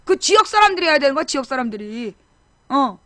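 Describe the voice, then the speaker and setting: A woman's voice: high voice, big pitch swings, quick pace, fairly bright tone, no room sound, studio quality. A middle-aged woman hosting a casual live-streamed political talk show, rambling and correcting herself as she addresses viewers directly.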